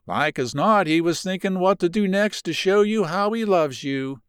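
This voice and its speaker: A man's voice: sits high, animated, moderate pace, clear, resonant tone, no echo, clean studio sound, pitched above the performer's own voice. A man voicing a folksy old rural neighbor woman who talks in thick backwoods dialect. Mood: relieved.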